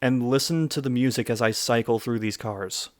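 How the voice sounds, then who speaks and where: A man in his mid-thirties streams a game and chats casually with friends. His humor is dry and self-mocking. His pitch sits in the middle, neither high nor low. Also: moderate pace. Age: 30s. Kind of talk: casual chat while gaming.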